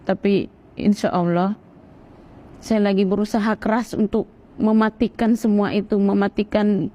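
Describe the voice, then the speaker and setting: A woman from Sumatra telling her story as a Muslim convert in an earnest, animated way, acting out other people's voices. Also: medium pitch, normal speed. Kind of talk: personal testimony, storytelling.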